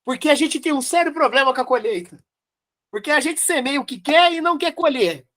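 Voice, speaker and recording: A woman's voice: high voice, expressive, a little fast, fairly bright tone. A woman with a Brazilian Portuguese accent giving a devotional study commentary, emphatic, repeating key phrases and asking rhetorical questions. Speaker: Spiritist study presenter.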